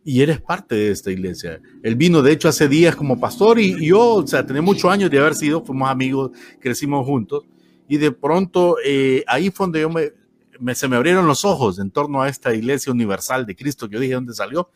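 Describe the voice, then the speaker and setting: A man with a Honduran accent co-hosting a Christian talk show, rambling with many pauses and restarts. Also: mid-range voice, lively intonation, slight background noise. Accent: Honduran Spanish. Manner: rambling, halting, with frequent "eh" and restarts. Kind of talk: casual panel discussion.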